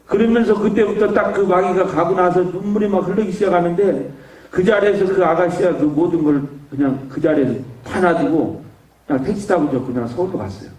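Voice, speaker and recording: A man's voice: sits high, a little fast, a little mellow. A man, an evangelist, tells his testimony as a sermon and brings each scene to life as he speaks. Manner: vivid storytelling, acting out scenes. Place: prayer retreat hall. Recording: echoey hall, voice far from mic.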